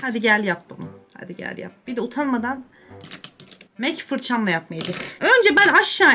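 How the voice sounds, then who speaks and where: A woman's voice: fairly high pitch, fairly bright tone. Chatty young woman doing her makeup. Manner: chatty, self-mocking, trails off into mutters. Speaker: beauty vlogger. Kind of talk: casual chat while doing makeup.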